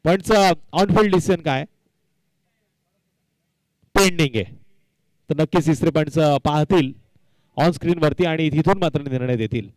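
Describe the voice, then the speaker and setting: Male cricket commentator, smooth resonant voice pitched a little high, emphatic live delivery. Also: normal speed, pauses often, darkish tone, no room sound, rough recording. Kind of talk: live local tournament cricket commentary with announcements.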